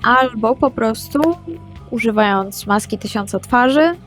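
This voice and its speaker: A woman's voice: on the high side, a little slow, a bit bright. A woman playing in a tabletop roleplaying game, speaking casually in character. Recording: background music. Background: music.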